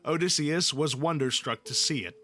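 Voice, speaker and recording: A man's voice: a little high, normal speed, over music. A man reading epic poetry aloud as a storyteller, in an informal read-along style. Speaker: story reader.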